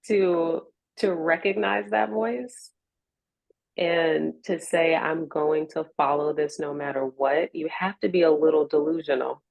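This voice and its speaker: A woman's voice: sits low, vocal fry, dry recording, highs cut off. An American woman in a reflective interview conversation, speaking in an earnest, encouraging way. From Richmond, United States.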